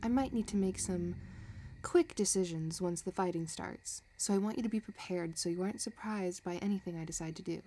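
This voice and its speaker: A woman playing a possessive, scheming villain in a romantic audio roleplay, talking in a soft, teasing, calculating way. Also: on the low side, a little fast, slight background noise, lightly acted. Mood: intimate, possessive. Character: possessive, scheming female villain obsessed with her crush.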